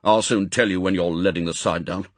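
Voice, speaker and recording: A man voicing a gruff, impatient elderly spy chief, brusque and authoritative, in an audiobook. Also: sits low, steady tone, brisk, no room sound. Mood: brisk, commanding. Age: older. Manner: brusque, authoritative, clipped commands. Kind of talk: audiobook character acting.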